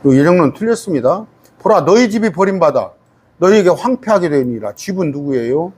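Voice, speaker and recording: A middle-aged man, a pastor, giving a conversational bible study sermon, asking his listeners rhetorical questions and reading scripture aloud slowly. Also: on the high side, animated, a little mellow, slightly rough. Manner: reads scripture aloud slowly, sometimes singing it.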